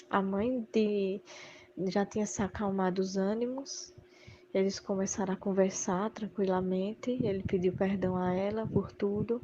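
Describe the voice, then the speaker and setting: A woman's voice: medium pitch, mellow, slight background noise. A middle-aged woman giving a religious testimony, retelling events in a repetitive, emphatic way. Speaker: church member giving testimony. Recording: dull lo-fi recording.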